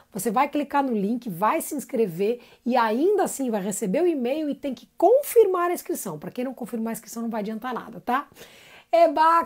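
Chatty woman singing teacher. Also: fairly high pitch. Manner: warm, chatty, greets viewers by name. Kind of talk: live-streamed singing lesson.

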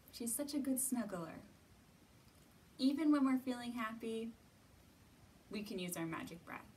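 A woman in her thirties gently guiding young children through a lesson, asking simple encouraging questions and pausing often. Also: medium pitch. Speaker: children's storytime host. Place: indoor library room with bookshelves. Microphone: camera a few feet away. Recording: distant mic, roomy ambient noise.

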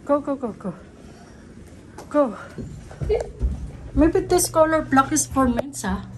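A woman's voice: high voice, lively intonation, slow pace, darkish tone. A Filipino woman chatting casually in an exclamatory, playful way, with a Filipino accent and Tagalog as her first language. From Philippines. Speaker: vlogger. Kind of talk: casual family vlog chat. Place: indoors in a hotel lobby, corridors and room. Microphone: handheld phone. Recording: handheld phone recording with slight background noise.

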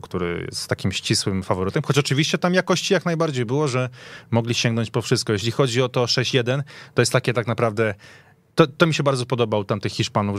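A man's voice: on the low side, no echo. A man giving casual, analytical football commentary as a guest in a radio studio.

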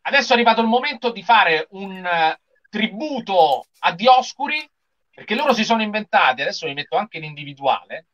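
Bright-voiced man hosting, dull lo-fi sound. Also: high voice, big pitch swings, a little fast. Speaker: live show host. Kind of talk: casual livestream chat. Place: small indoor room with shelves of figurines. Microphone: video call. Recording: dull lo-fi video-call audio.

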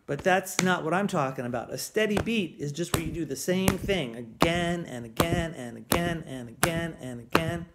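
A male music teacher giving a gentle, encouraging music lesson to young children from home. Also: on the high side, moderate pace, hardly any pauses, heavy background noise. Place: at home on a bed.

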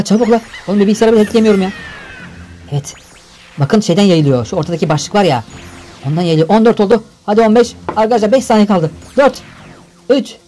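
A young man giving energetic, exclamatory gameplay commentary for a video. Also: fairly high pitch. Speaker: gaming YouTuber. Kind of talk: excited game commentary.

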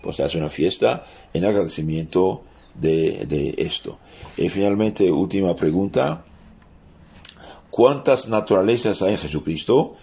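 Priest with a French accent, very low voice, halting catechism teacher who quotes scripture. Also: male voice, lively intonation, vocal fry, darkish tone. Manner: halting, with many restarts, quoting scripture aloud. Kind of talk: catechism lesson.

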